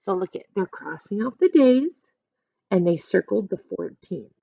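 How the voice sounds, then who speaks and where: Female elementary teacher, animated read-aloud with plain asides to children. Very varied pitch, unhurried delivery. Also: gravelly, no echo, lo-fi sound. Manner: explains simply, addressing young listeners directly.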